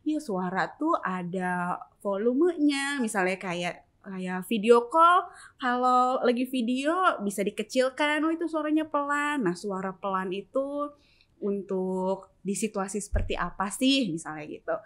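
A woman in the role of a parenting expert explains her advice in an interview. Her pitch sits in the middle range. She talks in a measured way, goes through numbered points and keeps adding gentle tag questions. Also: animated.

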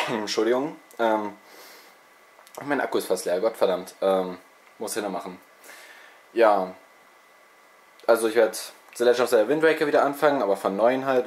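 A young man hosting a gaming channel, chatting loosely and self-mockingly with lots of fillers, a little congested from a cold, recorded on a handheld camera in his bedroom. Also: on the low side. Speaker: let's play channel host. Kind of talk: casual rambling info vlog. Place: bedroom with TV and consoles, indoors. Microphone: handheld video camera's built-in mic.

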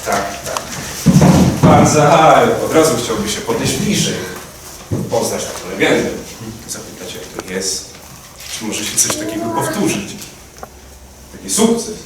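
A man's voice: mid-range voice, wildly swooping pitch, unhurried, long pauses. A young man playing a pompous devotee. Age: late teens. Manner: grandiloquent, lecturing. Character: pompous, admiring devotee of a famous author. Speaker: student actor. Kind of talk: amateur stage acting. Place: converted attic hall at a school. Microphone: distant room mic. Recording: echoey room, distant mic, noisy.

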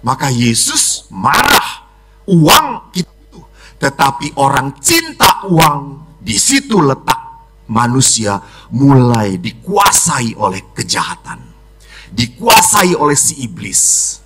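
A man, a Catholic priest, preaching a lively homily and acting out the people in his stories. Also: medium pitch, very noisy. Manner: lively preaching, acts out children and wives in quick voices.

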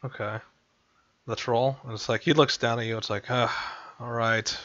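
A man's voice: medium pitch, fairly even intonation, moderate pace, a bit bright, no echo. A man narrating as game master over voice chat, laughing often and slipping into character lines. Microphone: headset over voice chat. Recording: dull lo-fi voice chat.

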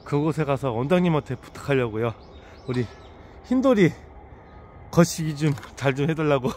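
A man's voice: on the high side, animated, moderate pace, darkish tone, a little hiss or hum. A man talking casually to rescued dogs in a rural yard. He baby-talks to the puppies and laughs often. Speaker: vlogger caring for rescued dogs. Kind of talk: casual vlog talk to dogs and viewers. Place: rural yard with dog kennels.

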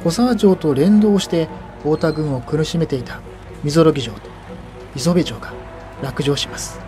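A man's voice: a little high, a little slow, music in the background. A man narrating local history as an explanatory guide.

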